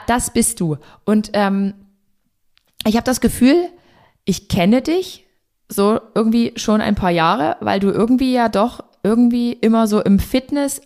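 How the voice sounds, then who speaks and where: A woman hosting a podcast interview from a studio, asking questions in a lively, curious, conversational way. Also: mid-range voice. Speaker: podcast host. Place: recording studio.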